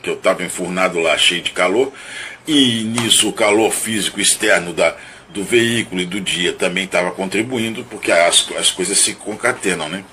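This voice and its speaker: A low, bright-toned male voice from Rio de Janeiro, Brazil, carries a little hiss or hum. Musing aloud about a dream he had, the man searches for words haltingly, restarting and repeating himself, thoughtful, hedging and self-analytical throughout this reflective monologue.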